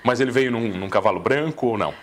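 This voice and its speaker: A man's voice: mid-range voice, lively intonation, slight background noise. A man hosting a TV talk show, firing off teasing questions at his guest in a playful way. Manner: teasing, quick-fire questions. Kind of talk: playful interviewing. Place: TV studio.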